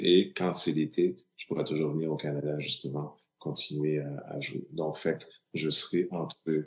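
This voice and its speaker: A man talks at a fairly slow pace in a very deep, low voice. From Haiti. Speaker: actor and film director. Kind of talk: TV interview. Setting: TV studio. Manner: hesitant, many fillers.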